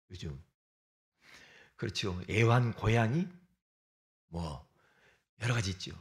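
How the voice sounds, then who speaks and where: A man's voice: a little high, fairly bright tone. A man preaching a sermon as pastor, emphatic, often throwing rhetorical questions at the congregation.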